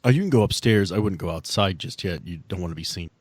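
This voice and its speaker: A man's voice: low voice, animated, fast, dry recording. A man casually narrating and refereeing a tabletop game as game master.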